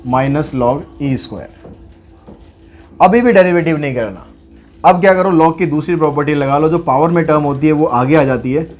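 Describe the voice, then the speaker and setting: A man's voice: a little high, darkish tone. Man explaining maths steps. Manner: explains steps aloud, asks and answers his own questions. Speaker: maths teacher. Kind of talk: online maths lesson.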